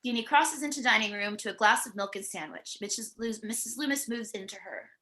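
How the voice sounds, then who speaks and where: A woman's voice: fairly high pitch, expressive, brisk, sharp tone. A woman narrating a screenplay, reading out scene headings and stage directions for a table read. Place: remote virtual table read.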